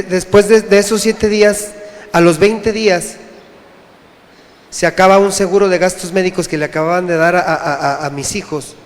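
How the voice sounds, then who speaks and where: A Mexican man gives a personal testimony before a congregation as a church member, earnest and halting, stumbling over and repeating his words. His voice sits high for a man. The long echo of a church hall rings around him.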